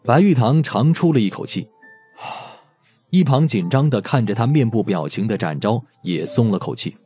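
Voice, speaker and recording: A man narrating a mystery audiobook in an expressive storytelling manner. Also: mid-range voice, normal speed, faint music behind.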